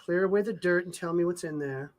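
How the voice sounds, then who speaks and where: A woman's voice: fairly low pitch, fast talker, darkish tone, a little hiss or hum. A woman playing a tabletop game, giving bossy commands in casual role-play.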